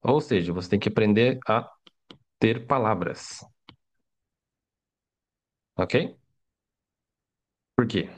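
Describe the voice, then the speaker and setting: Casual low-voiced man teaching a class. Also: slow, pauses often. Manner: casual, chatty, keeps adding tag questions. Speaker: Mandarin teacher. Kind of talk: live online lesson.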